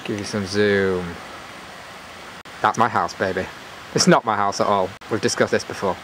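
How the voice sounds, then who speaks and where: A chatty man, a YouTube host, vlogs to his viewers while strolling through a public area outside, speaking into a handheld camera. His pitch is fairly low and his intonation fairly even at a moderate pace, and he rambles casually with self-deprecating, jokey asides. Outdoor background noise is clearly audible throughout.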